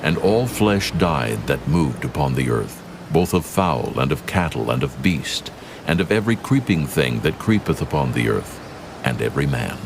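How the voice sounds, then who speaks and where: An extremely deep male voice with a gravelly creak narrates scripture. He is solemn and measured, with lively rises and falls, over clearly audible music. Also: background noise.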